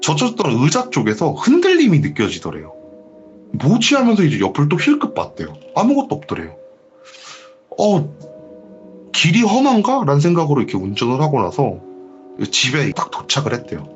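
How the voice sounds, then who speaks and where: Lively man retelling a ghost story. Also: mid-range voice, quick pace, highs cut off, faint music behind. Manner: animated storytelling, acting out quoted lines. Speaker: horror story radio host.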